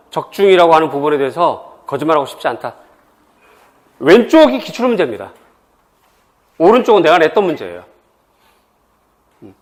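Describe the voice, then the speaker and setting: A middle-aged man from Seoul giving an exam prep info session, chatty and full of personal stories. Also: a little high. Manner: lively, chatty, tells personal anecdotes. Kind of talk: admissions info session lecture.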